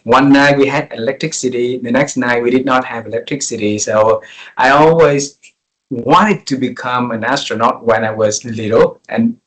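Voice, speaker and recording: A man's voice: mid-range voice, steady tone, normal speed, poor audio. Effusive Vietnamese-accented man hosting an interview. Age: 40s. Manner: effusive, courteous. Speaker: interview host. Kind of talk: conversational interview.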